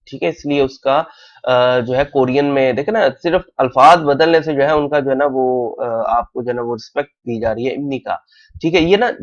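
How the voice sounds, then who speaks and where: Guy teaching korean at a whiteboard, repeats words slowly, keeps saying thik hai, muffled audio. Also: mid-range voice. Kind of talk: whiteboard lesson explained in Urdu/Hindi. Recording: dull lo-fi sound.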